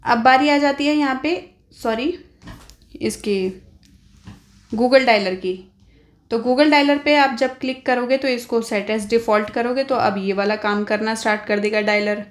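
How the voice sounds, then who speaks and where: High-voiced Indian woman giving phone tutorial. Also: a little slow. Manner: explains step by step with frequent check-in tags. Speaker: tech tutorial host. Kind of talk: informal spoken phone tutorial.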